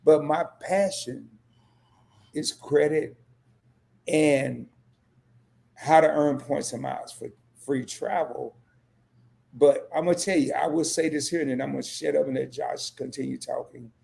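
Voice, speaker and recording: A hoarse man who has nearly lost his voice, chatting on a livestream as a co-host and turning rousing and emphatic, repeating himself as he gets worked up. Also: mid-range voice, unhurried, pauses often, warm tone. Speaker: fellow credit YouTuber and co-host. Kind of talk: casual livestream chat.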